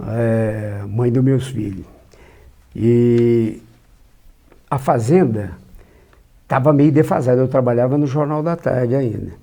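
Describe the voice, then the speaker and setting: This older Brazilian journalist, a native of São João del Rei with a Minas Gerais accent, is a lively raconteur sharing anecdotes in an interview and performing the lines he quotes. He takes it slowly, pausing often, his medium-pitched voice edged with vocal fry.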